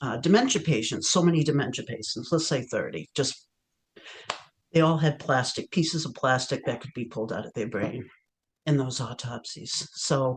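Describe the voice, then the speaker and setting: Somewhat breathy, a woman talks at a moderate pace with a very deep, low pitch. Her pitch variation is ordinary, and her loudness swings widely. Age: 60s. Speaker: holistic nurse coach. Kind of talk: podcast interview.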